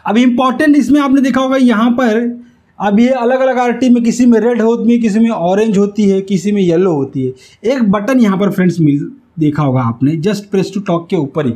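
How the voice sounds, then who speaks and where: High-pitched man teaching. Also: moderate pace, mellow. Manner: didactic, repeatedly checks understanding. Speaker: instructor. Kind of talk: explanatory whiteboard tutorial. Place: small indoor room with whiteboard. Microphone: lapel mic.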